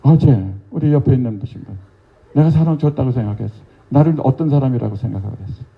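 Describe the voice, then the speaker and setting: An older man, a pastor, preaching a lively revival sermon and teasingly quizzing members of his congregation. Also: medium pitch, quick pace, creaky, muffled recording. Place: church sanctuary.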